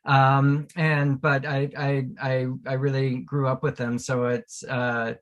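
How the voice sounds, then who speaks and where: Halting, thoughtful man on a panel. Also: mid-range voice, little pitch movement. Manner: halting, tentative, repeats words. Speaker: panelist, academic. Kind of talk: informal panel discussion.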